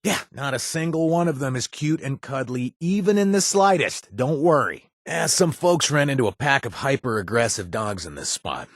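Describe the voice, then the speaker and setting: An actor playing a wry, chatty wasteland informant in a video game, husky, with a hesitant, rambling delivery and joking asides. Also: male voice, mid-range voice, expressive, normal speed, hardly any pauses, no echo, clean studio sound. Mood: wry, offhand. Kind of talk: video game voice acting, casual spoken tips.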